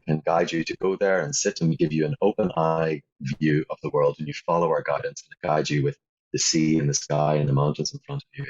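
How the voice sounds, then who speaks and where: Belfast man, very deep husky voice, guest in a talk, calm and unhurried, dull low-fi audio. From Northern Ireland. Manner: calm, flowing explanations with frequent fillers. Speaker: guest, founder of a meditation app. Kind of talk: interview conversation.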